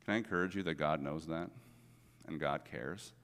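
A man's voice: rumbling low, normal speed, fairly bright tone. A middle-aged man preaching a sermon as pastor, earnest and conversational, stressing points by repeating words. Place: church sanctuary. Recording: long reverb of a church hall.

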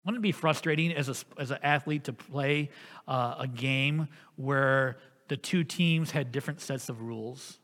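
A man preaching a sermon as pastor, telling a family story in an earnest, animated way. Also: medium pitch, normal speed, big-room sound.

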